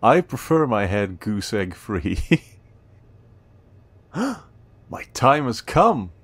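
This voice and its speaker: A man acting a friendly, playful, eager young cafe helper in a romance audio roleplay, teasing and warm in a conversational way. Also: lowish voice, sing-song, drawn-out words, husky, no echo, full character voice. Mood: playful, cheerful.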